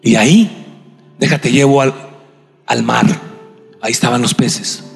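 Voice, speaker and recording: A man preaching a sermon, telling the story dramatically, acting out scenes and bursting into shouts. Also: medium pitch, unhurried, gravelly. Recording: long hall reverb, faint music.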